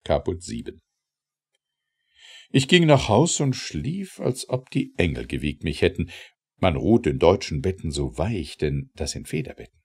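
Male audiobook narrator for satirical verse: low, creaky voice, declamatory and theatrical delivery. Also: a little mellow. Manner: theatrical, declamatory, measured phrasing with pauses. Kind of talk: dramatic recitation of satirical verse.

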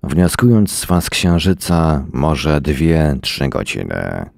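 Deep gravelly male storyteller. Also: sing-song, darkish tone, no echo, clean studio sound. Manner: measured, dramatic storytelling. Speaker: reader. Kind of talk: scripted narration of a short story.

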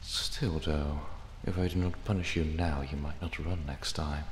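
A man's voice: rumbling low, fairly even intonation, measured pace. A man playing a possessive, menacing cat demon in an ASMR roleplay, taunting with mock affection. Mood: musing, smug. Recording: echoey hall reverb, clear background noise. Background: ambient sound effects.

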